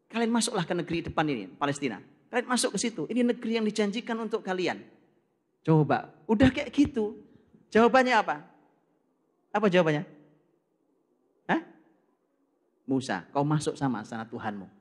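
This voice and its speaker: Man, preacher, slightly high voice, lively storytelling sermon, addresses listeners directly. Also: a little fast, long pauses. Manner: acts out dialogues in a storytelling way. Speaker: Islamic preacher. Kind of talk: Quran study talk.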